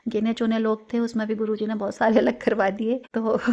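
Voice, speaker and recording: Brief: woman, earnest devotional testimony, mellow and level delivery, English words mixed into her Hindi. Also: fairly high pitch, little pitch movement, brisk, muffled recording. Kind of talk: personal spiritual testimony.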